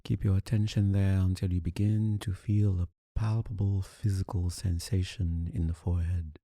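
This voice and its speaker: A man leading a guided meditation, calm and soothing, speaking in deliberate short phrases with long pauses. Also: deep voice, no echo, clean studio sound. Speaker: meditation teacher.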